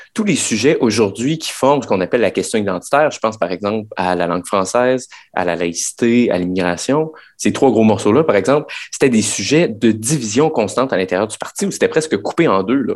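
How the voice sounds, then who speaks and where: At a fairly quick pace, a man with an ordinary speaking voice talks at a medium pitch with lively intonation. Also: quiet background. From Quebec City region, Quebec. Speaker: author. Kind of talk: interview.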